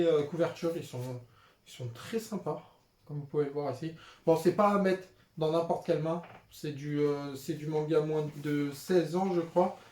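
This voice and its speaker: A man's voice: on the high side, a little mellow. Chatty young man in an echoey room. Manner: chatty, with frequent "euh" and "voilà" fillers. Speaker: manga vlogger showing his purchases. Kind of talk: casual unscripted vlog chat.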